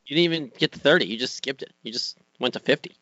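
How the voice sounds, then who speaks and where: A man co-hosting a casual podcast chat, firing off teasing wisecracks and quick interjections. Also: mid-range voice, a bit bright, no room sound. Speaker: podcast co-host. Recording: dull lo-fi dry sound.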